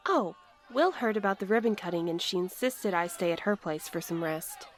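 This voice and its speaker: A woman's voice: fairly low pitch, moderate pace, close to an everyday voice. A woman playing an earnest, practical co-worker in an audio drama, explaining things matter-of-factly. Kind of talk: audio drama dialogue, conversational.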